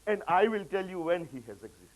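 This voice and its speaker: A man with a noticeably high-pitched voice delivers a sermon to a gathering. He climbs higher and louder when quoting, then sinks into soft, low asides. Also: expressive, fairly quick, low-quality recording. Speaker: preacher. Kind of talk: religious lecture.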